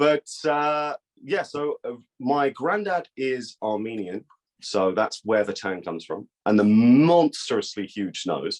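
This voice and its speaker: In a dry, close sound with no echo, a man of medium pitch talks in an English accent with very wide pitch swings. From England. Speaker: entrepreneur and crypto investor. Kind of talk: casual chat. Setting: smoking cigars during interview.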